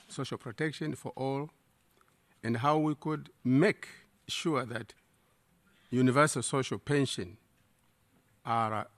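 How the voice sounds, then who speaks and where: A man's voice: mid-range voice, a bit bright, no echo. A man from Tanzania speaking for an NGO, asking the panel a formal question with hesitant fillers. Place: conference hall.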